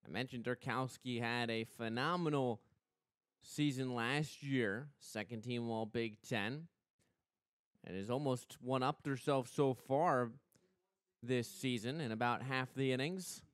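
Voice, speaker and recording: A young American man doing live radio play-by-play commentary of a softball game as the announcer. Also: mid-range voice, no echo, studio quality. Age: young adult. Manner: measured between plays, excited on big plays.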